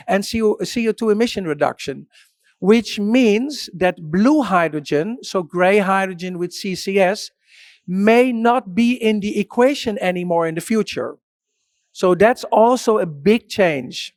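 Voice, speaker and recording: High-voiced man closing a conference talk. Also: a little slow, dry recording. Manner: structured, policy-focused delivery. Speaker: conference speaker. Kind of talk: conference presentation.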